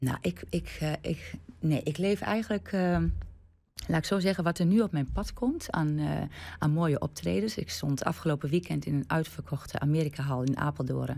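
The loudness holds very even throughout, at a moderate pace. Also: woman. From Netherlands, Overijssel. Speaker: singer; interviewee. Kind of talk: TV interview. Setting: TV studio. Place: studio. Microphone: studio mic.

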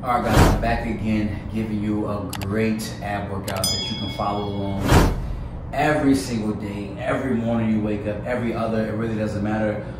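A man speaks with audible room echo. Music plays in the background. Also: moderate pace. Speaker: fitness trainer. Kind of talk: workout tutorial. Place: garage. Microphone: camera far.

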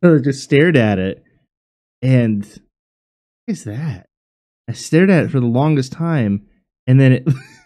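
Male voice, dark and mellow, with lively intonation and big swings in loudness against a quiet background. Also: moderate pace. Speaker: streamer. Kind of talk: casual storytelling. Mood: amused, laughing often. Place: home room.

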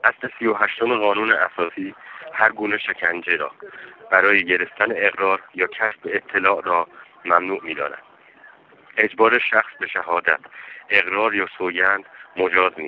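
Over noticeable background noise, a man speaks at a fairly low pitch and moderate pace with fairly even intonation and long, frequent pauses. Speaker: political prisoner. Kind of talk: reading a written legal defense. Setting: phone line.

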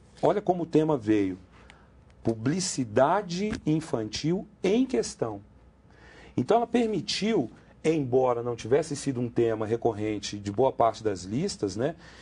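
A man's medium-pitched, somewhat breathy voice with a dark, mellow tone, very wide pitch swings, a fairly slow pace and long, frequent pauses. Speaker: essay-writing teacher. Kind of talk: live educational commentary. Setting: studio.

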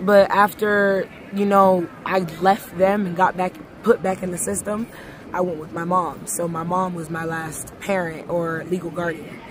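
A woman speaks at a fairly slow pace with big swings in loudness, in a dry sound with no echo and noticeable background noise. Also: fairly even intonation. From New Jersey. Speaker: homeless woman; interviewee. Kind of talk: interview testimony. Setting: outdoors. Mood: candid, recounting hardship. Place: street. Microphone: phone near.

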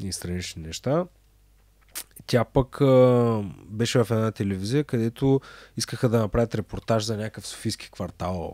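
A man's voice with a dark, mellow tone and ordinary pitch variation comes through dry with no echo over a quiet background. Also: moderate pace. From Bulgaria. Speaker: musician; podcast guest. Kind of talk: casual chat. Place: studio. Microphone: studio mic.

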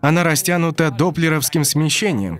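Light background noise sits behind a man with a normal speaking voice. He talks at a fairly quick pace in a fairly high voice with ordinary pitch variation. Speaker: voice-over dubbing narrator. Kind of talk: scripted narration. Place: studio.

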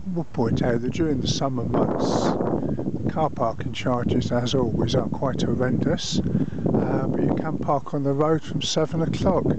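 Amid loud background noise, a man talks at a fairly slow pace with a dry sound and no echo. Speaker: vlogger filming a local beach. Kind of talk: casual walking vlog commentary. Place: beach. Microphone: phone near.

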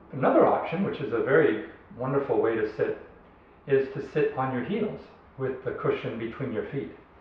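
At a moderate pace, a man speaks with audible echo from the room. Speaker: yoga teacher. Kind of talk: guided meditation and instruction. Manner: gentle, instructive. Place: home room. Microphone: camera far.

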